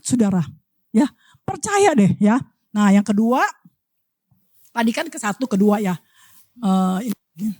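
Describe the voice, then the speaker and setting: In church, a woman with a high voice preaches a sermon animatedly, constantly calling out to the congregation as "Saudara." The recording is clean studio sound with no room noise.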